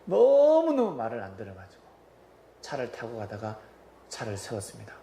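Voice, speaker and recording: A man's voice: medium pitch, moderate pace, creaky, a little hiss or hum. A male pastor preaching a sermon in a church, telling stories animatedly and acting out voices. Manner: animated storytelling, acts out quoted voices. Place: church sanctuary. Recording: roomy hall with faint ambience.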